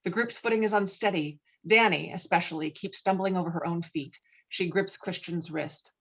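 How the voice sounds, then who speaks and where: A woman's voice: lowish voice, moderate pace. A woman reading stage directions as narrator of a screenplay table read, on slightly muffled online call audio.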